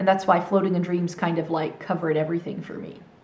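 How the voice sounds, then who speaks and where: A woman's voice with audible room echo. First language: Dutch. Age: 30s. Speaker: beauty YouTuber and English teacher. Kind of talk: casual chat, Q&A while doing makeup. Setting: home, in front of bookcases.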